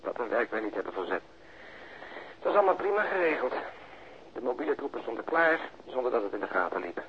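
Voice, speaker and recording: An actor playing a blunt, talkative police colleague complaining on the telephone in a radio drama. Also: male voice, medium pitch, big pitch swings, fast talker, close to an everyday voice. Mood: wry, recounting. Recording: muffled, noisy telephone-scene radio recording.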